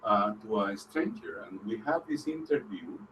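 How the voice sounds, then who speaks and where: Very low-voiced man, far from mic. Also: very animated, a bit bright. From El Salvador. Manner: halting, restarts phrases. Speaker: panel speaker. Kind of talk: personal account on a panel. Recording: distant, noisy recording.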